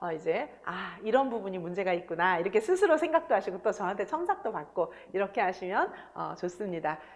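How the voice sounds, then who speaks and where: With very wide pitch swings, a woman speaks fairly quickly as noticeable background noise plays behind her. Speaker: exam prep lecturer. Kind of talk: online lecture. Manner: fast.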